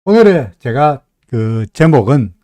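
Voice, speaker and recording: A man's voice: medium pitch, very animated, slow pace, warm tone, no echo. A middle-aged man with a Gyeongsang Korean accent, hosting a live stock market commentary in a folksy, chatty way, often asking his listeners "right?". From Gyeongsang region, Korea. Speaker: stock market analyst host.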